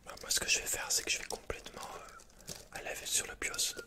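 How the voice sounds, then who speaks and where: A young man playing a guarded computer repairman and hacker in a halting, breathy whispered ASMR roleplay. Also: close to an everyday voice. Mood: reserved, matter-of-fact. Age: young adult. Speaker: ASMR creator. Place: small indoor set, dark backdrop.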